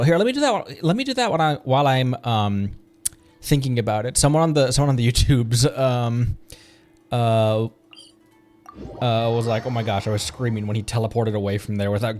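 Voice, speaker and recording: A male streamer with a mid-pitched voice chats casually through a gaming livestream. He talks in loose, rambling asides, and music plays behind him. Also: normal speed, darkish tone. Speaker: streamer and channel host.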